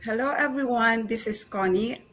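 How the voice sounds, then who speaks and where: A woman's voice: on the high side, normal speed, a bit bright. A woman from the Philippines giving a polite, friendly introduction on an online panel.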